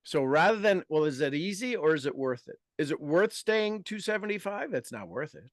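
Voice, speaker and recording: A man's voice: on the high side, animated, normal speed, no echo, clean studio sound. A man in his fifties hosting a motivational group talk, emphatic and repeating his key phrases. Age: 50s. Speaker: host and coach.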